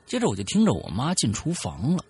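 A man's voice: medium pitch, huge pitch swings, quick pace, darkish tone, slightly rough. A man hosting a show, casually retelling a listener's ghost story with chatty asides and fillers. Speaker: host reading a listener's story.

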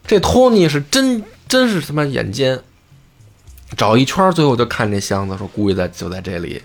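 A man telling a folk tale in a chatty, colloquial way, full of lively asides. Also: mid-range voice, moderate pace, soft background music. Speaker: storyteller. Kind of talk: casual storytelling.

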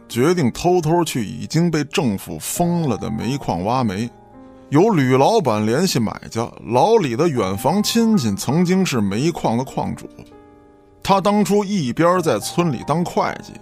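A man narrating a scripted audio drama as an expressive, colloquial storyteller. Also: mid-range voice. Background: light background music.

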